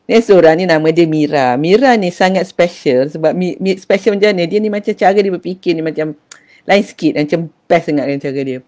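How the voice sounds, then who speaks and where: A woman's voice: on the low side, fairly quick, mellow. An older woman, giving an affectionate, casual talk on parenting and addressing her listeners as dear. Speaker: parenting speaker.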